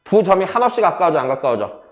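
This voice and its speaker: A man's voice: sits high, sing-song, quick pace, echoey room. A man teaching a math class, switching between casual and polite speech and often checking whether students follow. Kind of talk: classroom lecture.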